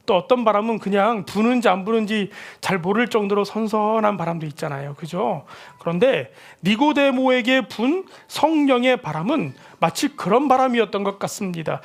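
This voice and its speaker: Brief: male pastor, sermon, conversational, asks the listeners questions. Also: high-pitched.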